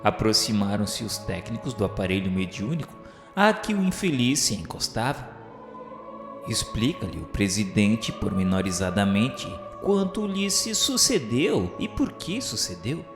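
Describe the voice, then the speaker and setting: A Brazilian man delivers solemn literary narration at a slow, deliberate pace. His declamation is formal and grandiloquent, in the manner of a religious radio novel. The voice rings with echo and long reverb over music. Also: fairly low pitch, very animated.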